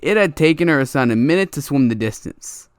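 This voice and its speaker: A man's voice: fairly high pitch, animated, fairly quick, smooth, dry recording, studio quality. A young man reading online stories aloud in a casual way, with laughing, stumbling asides. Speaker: reddit story narrator. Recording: soft music bed under voice. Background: quiet background music.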